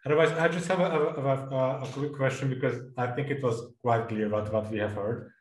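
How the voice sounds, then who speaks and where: A man of middle pitch moderates an online Q&A, halting and repeating himself as he works toward his question. His voice comes through a video call and sounds roomy and echoey. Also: fairly even intonation. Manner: halting, repeats words while forming a question. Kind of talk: moderating a conference Q&A. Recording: roomy echo.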